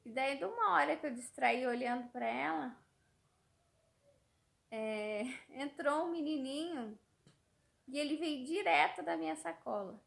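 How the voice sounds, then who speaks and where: Brief: Brazilian mother, 30s, casual vlog storyteller, high voice with a gravelly edge, rambling delivery. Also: expressive, unhurried, long pauses, a bit bright. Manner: rambling, repeats words, trails off. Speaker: mother vlogger.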